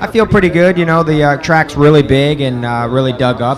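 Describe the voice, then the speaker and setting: Music plays in the background as a man speaks at a fairly quick pace. His pitch variation is ordinary. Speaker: pro singles rider. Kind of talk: podium interview. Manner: casual, thankful, rattling off sponsors. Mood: calm, confident. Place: stadium. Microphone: handheld.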